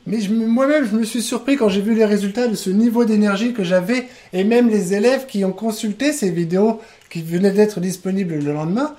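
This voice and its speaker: Male webinar host and trainer; mellow, warm tone; eager, rambling delivery. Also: high voice, a little fast. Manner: enthusiastic, rambling with restarts. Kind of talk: live webinar chat.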